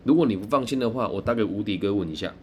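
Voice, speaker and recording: A man's voice: on the low side, animated, racing, darkish tone, soft background music, close to an everyday voice. A man with a Taiwanese accent voicing a persuasive male friend who coaxes and insists. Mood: insistent. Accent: Taiwanese Mandarin. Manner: coaxing, insistent.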